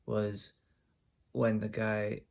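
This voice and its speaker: A man recounts a personal story for his video channel. His voice sits low with a gravelly texture, and he speaks in a flat, even tone. His delivery is halting, full of ums and restarts. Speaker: YouTuber.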